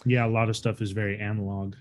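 A man's voice: lowish voice, flat delivery, fast, a little hiss or hum. A man co-hosting a podcast, talking casually about a movie, with frequent restarts and a rambling, opinionated way of talking. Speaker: podcast co-host. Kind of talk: casual movie review chat.

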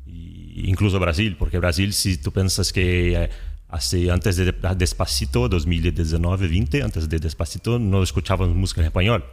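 Low-voiced Brazilian man speaking Portuguese-tinged Spanish. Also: fairly even intonation, normal speed, vocal fry, a little mellow. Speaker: interview guest, music distribution executive. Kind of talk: conversational interview.

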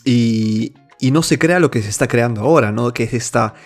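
A man's voice: mid-range voice, moderate pace. Man from peru, show host, earnest opinion monologue, stumbling restarts, faint music behind. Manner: earnest, many restarts and fillers.

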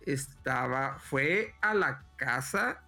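A man, a father, telling an anecdote in relaxed, slangy casual chat. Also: mid-range voice, drawn-out words, creaky, faint music behind. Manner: relaxed, slangy, fills with "güey". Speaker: podcast co-host. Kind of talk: casual storytelling.

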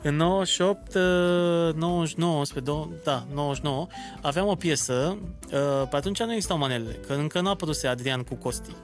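A man in his forties, a podcast co-host from Romania, telling stories in a chatty, animated way. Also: fairly high pitch, hardly any pauses, faint music behind. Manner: animated storyteller, chatty and laughing. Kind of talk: casual podcast chat.

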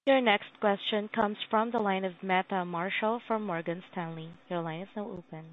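A female conference operator reads out scripted announcements in a medium-pitched voice. The audio is narrow and phone-like. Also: normal speed, a little hiss or hum. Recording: narrow telephone conference line.

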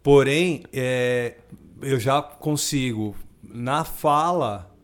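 A young man with a Brazilian Portuguese accent co-hosting a casual podcast, talking quickly and restarting his sentences. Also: mid-range voice. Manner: quick, restarts and trails off mid-thought. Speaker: podcast co-host.

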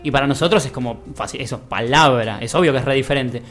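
A man's voice: mid-range voice, quick pace, fairly bright tone, faint music behind. A man with an Argentine accent, chatting on a gaming podcast and explaining at length, with many fillers and restarts. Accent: Argentine Spanish. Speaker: podcast co-host. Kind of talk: casual gaming podcast chat.

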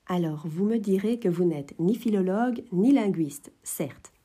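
A woman hosting an educational podcast, explaining French phonetics in a clear, measured way. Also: mid-range voice, warm tone. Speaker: French teacher, podcast host.

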